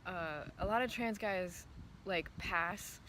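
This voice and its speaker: A trans man talks through his thoughts in a casual vlog, his voice still often heard as female. He pauses, says um a lot and restarts sentences. A clear, steady noise runs under the recording, maybe from a vehicle. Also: high voice. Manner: thoughtful, hesitant, many ums and restarts. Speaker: vlogger.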